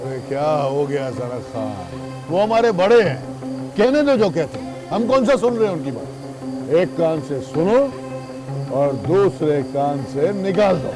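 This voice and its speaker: Scheming calm leader, slightly raised pitch, drama score. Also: male voice, a little slow, rough recording. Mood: sly. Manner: soothing, sly. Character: scheming male chief, calm and sly. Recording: music under dialogue.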